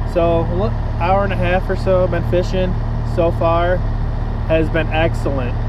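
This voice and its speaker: At a moderate pace, a man speaks in a dry sound with no echo and noticeable background noise. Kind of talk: casual vlog chat. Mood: upbeat, relaxed. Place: boat. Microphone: phone near.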